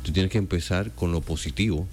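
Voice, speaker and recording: A man's voice: deep voice, fairly quick, a little mellow. A man speaking hesitantly in a casual faith talk, repeating words as he gathers his thoughts.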